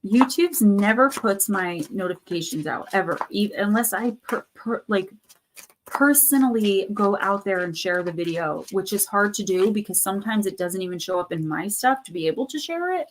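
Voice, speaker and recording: This tarot and oracle card reader streams live from her channel, her throat sore and voice giving out. Over poor audio with slight background noise, her mid-range voice moves with lively intonation at a normal pace, reading out card texts before riffing casually, stumbling through fillers and restarts.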